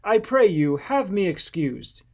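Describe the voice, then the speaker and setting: A man's voice: high-pitched, sing-song, a little slow, darkish tone, full character voice. A man voicing a pleading, apologetic man making polite entreaties in a scripture audiobook.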